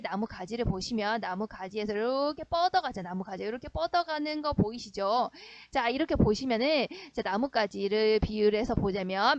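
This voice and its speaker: A woman's voice: a little high, no room sound. A woman teacher giving an online grammar lesson, explaining step by step and often checking that students follow. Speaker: middle school Korean teacher. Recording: dry, dull lo-fi sound.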